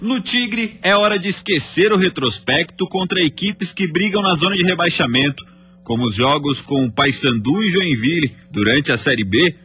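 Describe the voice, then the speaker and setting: Measured male sports voice-over. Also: fairly high pitch, lively intonation, sharp tone, slightly rough. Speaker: sports reporter. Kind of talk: scripted news narration. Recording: voice-over with faint music.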